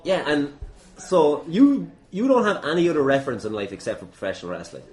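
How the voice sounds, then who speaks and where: With a slightly high, sing-song voice and a brisk delivery, this Irish podcast host keeps things casual and jokey while interviewing inside a busy gym. He teases, stays irreverent and swears freely.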